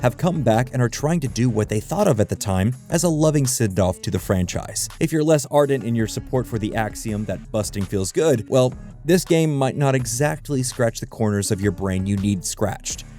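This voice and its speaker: A man's voice: mid-range voice, lively intonation, moderate pace, few pauses, warm tone. A man narrating a scripted video essay in a wry, conversational way, with dryly humorous asides. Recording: music bed under the voice. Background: background music.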